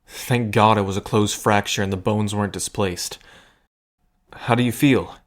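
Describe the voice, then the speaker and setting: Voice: low voice, steady tone, normal speed, natural voice. A performer acting a protective, stubborn friend in an audio drama, speaking firmly with dry sarcasm and care. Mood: gentle, wry. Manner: firm, sarcastic, caring.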